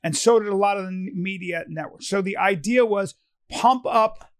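A man's voice: high-pitched, normal speed. A man in his fifties co-hosting a casual podcast, arguing animatedly, cutting in with repeated "but wait" and swearing freely. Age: 50s. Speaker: podcast co-host. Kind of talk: casual debate chat.

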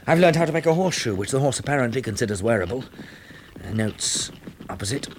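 An actor playing a stoical, dry-humoured British farmer survivor in a 1960s radio drama, clipped and matter-of-fact. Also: male voice, medium pitch, expressive, fast, natural voice. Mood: sober, reflective. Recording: noisy vintage radio drama recording.

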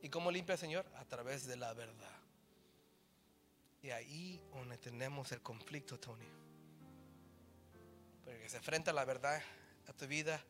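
A man with a Latino Spanish accent preaching a bilingual sermon as a pastor, mixing English into his Spanish and swinging between loud, forceful passages and quiet, low emphasis. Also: moderate pace, pauses often, faint music behind. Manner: switches between Spanish and English mid-sentence.

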